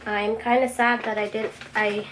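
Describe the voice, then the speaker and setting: A woman's voice: a little high, flat delivery, normal speed. A young woman with a light Filipino accent, chatting casually in her studio and thinking aloud while she sorts her stock. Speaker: artist vlogger. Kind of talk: casual chat while working. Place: home art studio. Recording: noisy room ambience.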